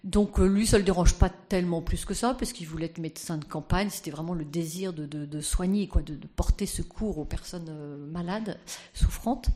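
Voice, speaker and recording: A woman's voice: lowish voice, normal speed, warm tone. A woman giving an anecdotal conference talk as postulator of a sainthood cause, chatty and full of fillers.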